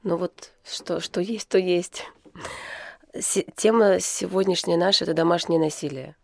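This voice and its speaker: A woman hosting a podcast interview, hoarse after an illness and asking her questions plainly. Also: lowish voice, moderate pace, dry recording, studio quality. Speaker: podcast host.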